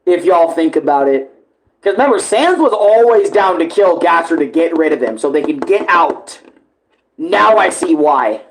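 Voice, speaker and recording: A man's voice: on the high side, lively intonation, normal speed, rough recording. A man giving casual live reaction commentary, slangy, exclamatory and full of swearing. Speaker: reaction streamer.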